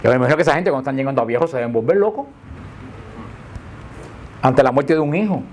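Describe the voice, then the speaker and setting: A man's voice: mid-range voice, animated, fast talker, darkish tone, slight background noise. An older man teaching a group about the Catholic faith in a chatty, joking, storytelling way. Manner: chatty, jokey storyteller who laughs at his own slips.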